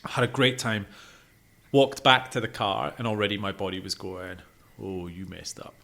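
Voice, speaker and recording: A man's voice: on the low side, fairly even intonation, moderate pace, vocal fry, pushed and bright. A man co-hosting a podcast, chatting casually about gigs he has been to. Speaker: podcast co-host.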